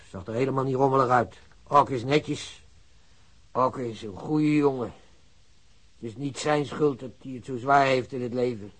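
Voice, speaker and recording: A man's voice: mid-range voice, slightly rough, lightly acted, low-quality recording. An actor playing an old working-class father, plain-spoken, weary and loyal to his son, in a naturalistic radio drama. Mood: weary, sad. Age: older.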